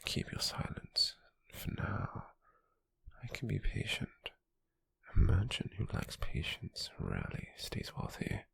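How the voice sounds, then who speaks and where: A British man acting a cold, possessive slave merchant in an ASMR roleplay, speaking formally and condescendingly in a breathy, gravelly half-whisper close to the mic. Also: on the low side, wildly swooping pitch, fairly bright tone, no echo, heavily acted. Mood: cold, amused. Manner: slow, measured, formal, condescending. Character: cold, possessive male slave merchant, controlling yet intrigued captor. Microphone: close microphone, dry.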